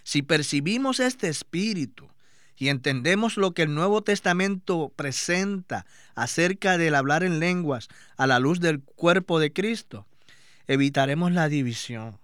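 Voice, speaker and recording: A man doing a scripted religious reading in a steady, formal delivery. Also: fairly high pitch, a little slow, clear, resonant tone, dry recording, studio quality.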